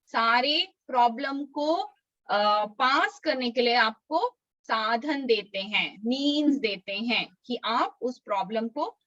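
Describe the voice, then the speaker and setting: Woman, Sunday school teacher, high bright voice, coaxing kids on a dull video call. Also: expressive, dry recording. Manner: coaxing, slow drilled recitation for small kids. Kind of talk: online children's class.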